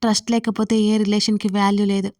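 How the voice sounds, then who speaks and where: A woman reading an angry young man, stern and loud. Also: mid-range voice, flat delivery, fast talker, natural voice. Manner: stern, raised voice.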